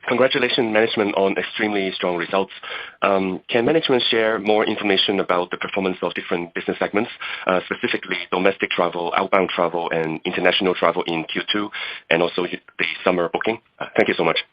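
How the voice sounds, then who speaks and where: A man's voice: deep voice, steady tone, fast talker. A man working as a financial analyst, politely asking management a question on an earnings call. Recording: muffled conference phone line.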